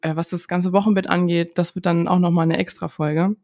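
A woman's voice: on the low side, level tone, brisk, a little mellow. Nasal, congested woman podcast host. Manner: upbeat, chatty, leads the talk. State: nasal from a cold. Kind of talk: casual podcast chat.

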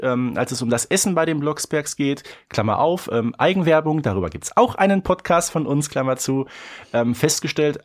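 Male podcast co-host, mid-pitched with lively swings, casual, playful, opinionated commentary. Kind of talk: casual review chat.

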